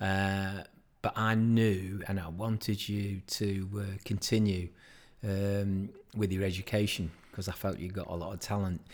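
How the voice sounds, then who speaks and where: In a flat, monotone delivery, a man talks at a fairly slow pace with a fairly low pitch. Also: very clean recording, silent background. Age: 70s. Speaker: life coach and former teacher. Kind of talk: casual interview conversation.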